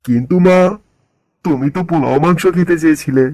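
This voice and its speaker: Man playing a high-voiced, puzzled village father. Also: fairly quick, a little mellow, no room sound, lightly acted. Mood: mild, resigned. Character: mild village farmer father, easily puzzled. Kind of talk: children's moral cartoon voice acting.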